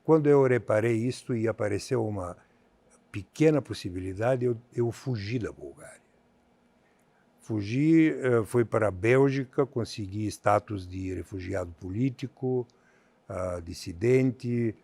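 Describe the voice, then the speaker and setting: A man in his seventies from Bulgaria, speaking with a Bulgarian accent as a guest in an interview on a theater stage, measured and halting with many fillers. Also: fairly low pitch, creaky, mellow, no room sound. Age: 70s. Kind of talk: stage interview on a TV talk show.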